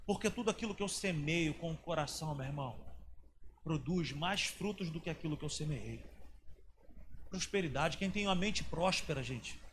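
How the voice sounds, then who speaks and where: High-voiced, animated preacher. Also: male voice, moderate pace, a little hiss or hum. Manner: animated, acts out quoted dialogue. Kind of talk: sermon with personal storytelling.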